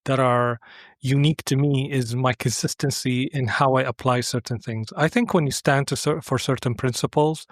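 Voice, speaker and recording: A man's voice: medium pitch, steady tone, normal speed, dry recording, clean studio sound. A man from Syria speaking as a podcast guest, explaining his thinking in a conversational interview.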